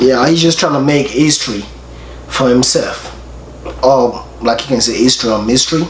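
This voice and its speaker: A man with a Nigerian accent at a medium pitch and a moderate pace, ordinary pitch variation, amid noticeable background noise. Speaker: YouTube reactor. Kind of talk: casual talk to camera.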